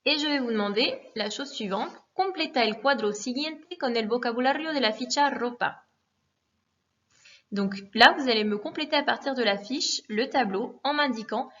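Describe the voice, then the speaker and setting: A woman teaching a lesson in a patient, methodical way, repeating forms and pausing with fillers. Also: fairly high pitch, fairly bright tone. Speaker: Spanish teacher. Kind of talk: recorded classroom lesson. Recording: dull lo-fi recording.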